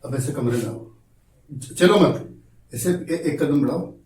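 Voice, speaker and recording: A man teaching an acting class, explaining slowly, coaxing his students and acting out examples himself. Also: mid-range voice, expressive, darkish tone. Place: acting class room, indoors. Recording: roomy echo from far off, faint noise.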